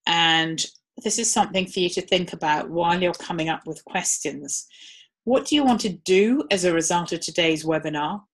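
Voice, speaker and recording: A woman's voice: fairly low pitch, moderate pace. A woman giving a live webinar talk in a conversational way, with frequent ums. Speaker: webinar presenter.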